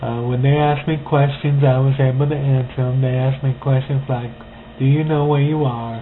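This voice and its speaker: Amid audible room echo and noticeable background noise, a man talks at a fairly high pitch with monotone, flat intonation. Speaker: stroke survivor. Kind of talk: personal testimony. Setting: at home. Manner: slightly impeded speech; halting, many fillers.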